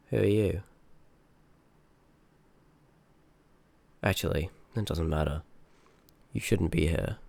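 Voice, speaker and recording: A man's voice: sits low, creaky, no echo, heavily acted. A man voicing a rude, sarcastic, reluctant sorcerer of a haunted house in a scripted ASMR roleplay, grumbling and dismissive, close on the microphone. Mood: irritated.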